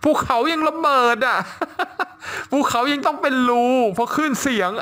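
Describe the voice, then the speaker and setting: Bright, excitable man teaching drawing. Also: very high-pitched, normal speed. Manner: excitable, exclaims and laughs often. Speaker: drawing tutorial host. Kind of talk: drawing tutorial commentary.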